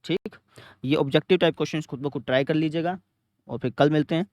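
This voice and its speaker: A man's voice: on the high side, quick pace, a little mellow, dry recording. Man teaching math step by step, dry close sound. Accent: Hindi-speaking north India. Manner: repetitive, explains step by step, asks questions and answers himself. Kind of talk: recorded math lesson.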